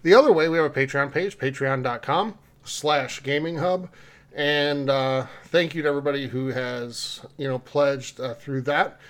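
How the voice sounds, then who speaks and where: A man's voice: mid-range voice, normal speed, a bit bright. A man hosting a podcast in a casual, conversational way, speaking informally to co-hosts and listeners. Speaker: podcast host. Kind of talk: casual podcast talk with community announcements.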